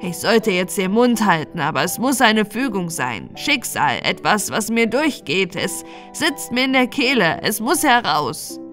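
A talkative old bog witch, played by a female narrator holds forth in a storybook tale. She is ominous and deliberate, with a dramatic turn to her telling. The voice sits at a medium pitch, with music playing underneath. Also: sing-song, a bit bright. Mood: ominous, urgent. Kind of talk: fairy-tale audiobook character narration.

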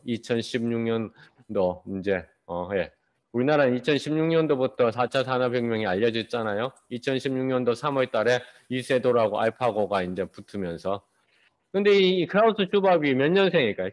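A man in his fifties giving an online lecture over a webcam, explaining step by step and answering his own rhetorical questions. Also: mid-range voice. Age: 50s. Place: small room, indoors. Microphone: webcam on a video call.

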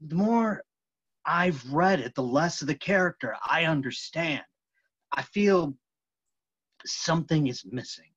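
A man's voice: a little high, lively intonation, unhurried, pauses often, fairly bright tone, breathy edge, heavily acted. A man playing an earnest, intense film actor pressing for the truth in a staged reading. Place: room at home, video call. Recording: dull, muffled video-call audio.

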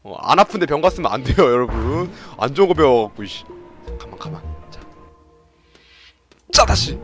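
A man giving loud, yelping gameplay commentary as a game streamer, shouting quick repeated commands and laughing often. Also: medium pitch, very animated, soft background music.

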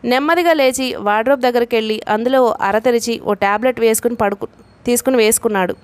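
A woman reading a novel aloud as an audiobook narrator, in a steady storytelling delivery. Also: a little high, fast, clean tone.

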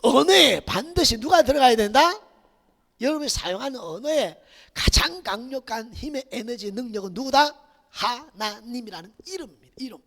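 Impassioned pastor. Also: male voice, very high voice. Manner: swings between loud shouted exhortation and hushed near-whispers, repeated hallelujahs. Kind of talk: Sunday sermon. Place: church sanctuary. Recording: reverberant church hall.

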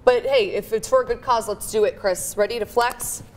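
A woman's voice: on the high side, normal speed, slight background noise. Upbeat female morning news anchor. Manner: upbeat, easygoing with her co-anchor.

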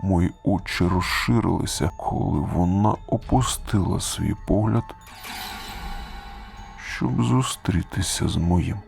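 A man narrating a first-person horror story in a hushed tone that sinks into whispers. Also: low voice, slow pace, vocal fry. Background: faint music.

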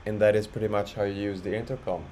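A man presenting a casual software walkthrough, explaining step by step in a halting way. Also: on the low side, fairly even intonation. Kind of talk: casual screen-share walkthrough. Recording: clearly audible background noise.

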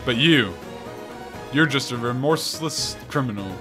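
A man's voice: mid-range voice, measured pace, natural voice. A man voicing a fierce, hot-tempered female monster warrior in a video game, grand and accusing in delivery. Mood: accusing, scornful. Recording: game music behind the voice.

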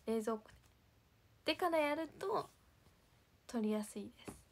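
A woman's voice: a little high, animated, moderate pace, creaky, slight background noise. Chatty young woman on a livestream. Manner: chatty, giggly, sometimes drops to a whisper. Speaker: idol livestream host. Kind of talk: casual livestream chat.

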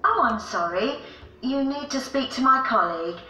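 A woman's voice: sits high, animated, normal speed, sharp tone, slight background noise. A woman acting a polite, helpful office receptionist in a scripted language-course phone dialogue. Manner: polite, businesslike. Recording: roomy, distant course audio playback.

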